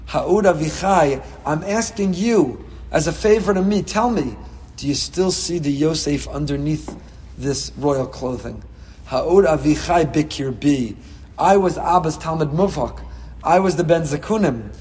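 A man giving a Torah class as a rabbi, reading Hebrew texts and explaining them with passion, swinging between soft and loud. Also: on the high side, measured pace, big-room sound, poor audio. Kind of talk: Torah class on the weekly portion.

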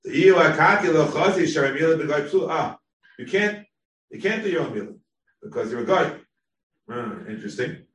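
A man leading a Talmud class, thinking aloud and reading out sources with quick asides. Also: on the high side, expressive, fairly bright tone, echoey room, far from the mic, rough recording. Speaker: Talmud teacher. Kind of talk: text-based Talmud class.

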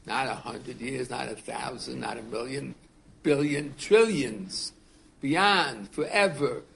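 A man's voice: medium pitch, slow pace, gravelly, a bit bright, slight background noise. A man in his seventies, a rabbi teaching a class in a casual, earnest way, often repeating words and asking his students questions. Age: 70s.

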